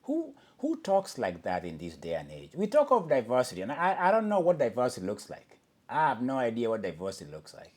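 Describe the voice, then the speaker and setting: A man's voice: medium pitch, huge pitch swings, brisk. A man hosting a podcast, delivering an impassioned, emphatic monologue and often restarting his sentences. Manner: emphatic, questioning, with frequent restarts and fillers. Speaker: podcast host.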